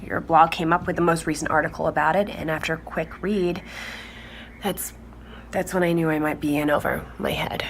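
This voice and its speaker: An actress playing a woman who recounts her discovery in halting, natural speech in an audio drama. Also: low voice, steady tone, creaky. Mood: uneasy. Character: shaken woman recounting her grandfather's secret tapes. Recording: faint background noise.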